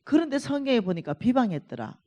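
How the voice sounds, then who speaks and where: Woman revival preacher, lively swooping delivery, emphatic scripture reading. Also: a little high, fast talker. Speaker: revival meeting speaker. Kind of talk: sermon. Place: church.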